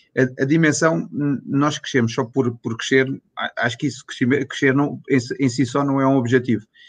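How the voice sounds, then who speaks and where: A man is talking here. He has a medium pitch and keeps a moderate speed. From Portugal, Algarve (Faro). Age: 40s. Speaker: business owner. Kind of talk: interview. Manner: halting, many repeated words.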